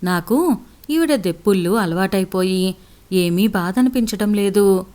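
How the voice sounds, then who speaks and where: A woman's voice: medium pitch, expressive, a little slow, warm tone, lightly acted. A good-humored middle-aged father who jokes easily, as a woman reading the story puts him on. The voice is not changed much from the reader's own. It is a storybook reading. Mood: joking.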